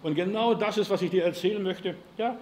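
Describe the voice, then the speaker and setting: A middle-aged man preaching a sermon as pastor, switching between loud bursts and quiet asides, often asking "ja?" of his listeners. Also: high voice, brisk. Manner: lively preaching with sudden loud and quiet turns, frequent "ja?" and "verstehst du".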